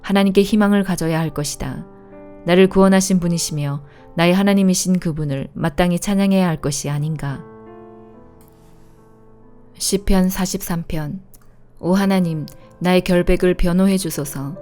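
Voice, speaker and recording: A woman reads scripture aloud in a measured, unhurried way. Her voice sits a little low and sounds mellow and warm. Faint instrumental music plays behind her. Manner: steady, calm, measured reading. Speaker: Bible reader. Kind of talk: scripted Bible reading.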